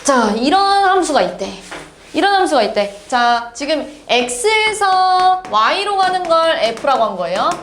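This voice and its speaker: A woman teaches math to a class in a lively manner, firing off quick questions to check that her students follow. Her high voice swings up and down a lot. The recording is echoey and roomy, like a classroom, with faint background noise.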